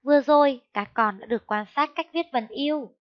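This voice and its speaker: A woman teaching a first-grade lesson, speaking slowly and clearly and spelling out syllables in a raised, sing-song voice. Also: sits high. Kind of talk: slow, clear classroom lesson. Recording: dull lo-fi sound.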